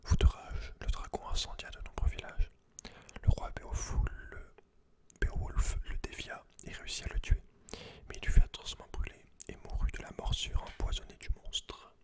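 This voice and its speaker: Man, breathy unvoiced whisper, ASMR read-aloud, soft-spoken, informal direct address. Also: moderate pace. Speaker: ASMR video creator. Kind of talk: whispered ASMR, reading aloud with casual asides.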